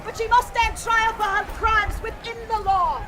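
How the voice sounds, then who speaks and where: A woman's voice: extremely high pitch, steady tone, moderate pace, heavy background noise. A woman playing a stern, regal older queen in a theatrical faire show, speaking in stately, formal declamation. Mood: grave. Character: Queen Eleanor, regal, stern, scheming-wary older mother. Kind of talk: theatrical Renaissance faire stage acting. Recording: outdoor crowd and street ambience.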